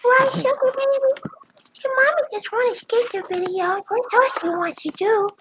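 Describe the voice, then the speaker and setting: A woman puts on a squeaky character voice at an extremely high pitch. Her tone is playful. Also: moderate pace. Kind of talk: baby talk to a child. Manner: playful, cartoonish.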